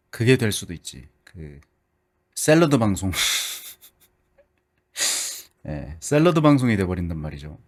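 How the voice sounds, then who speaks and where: A man chatting casually with his livestream viewers, thinking aloud in a chatty, animated way. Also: medium pitch. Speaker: livestreamer, VTuber.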